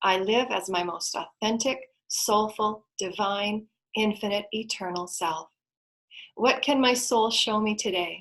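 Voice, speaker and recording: Fairly even intonation from a woman with a fairly high pitch. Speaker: intuitive tarot reader and energy healer. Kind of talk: guided healing invocation. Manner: fast.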